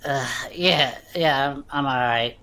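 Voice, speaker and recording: A woman's voice: a bass voice, slow, a bit bright, slight background noise, exaggerated voice. A woman voicing an easygoing male adventurer with slangy, laid-back talk, in an audio drama.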